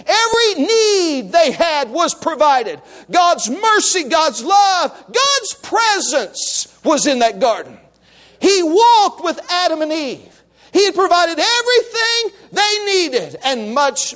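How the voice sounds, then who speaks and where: A man's voice: extremely high pitch, a bit bright. A man delivering an impassioned evangelistic sermon as a preacher, fervently exhorting his listeners and repeating phrases for emphasis.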